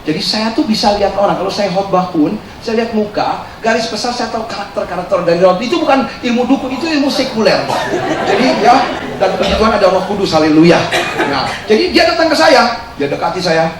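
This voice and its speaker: A man pastor preaching a lively sermon, laughing often and slipping English phrases in. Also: high-pitched, a little fast, crowd noise. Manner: animated, laughing, mixing in English. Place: large church hall. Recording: echoey hall, distant mic, audience noise.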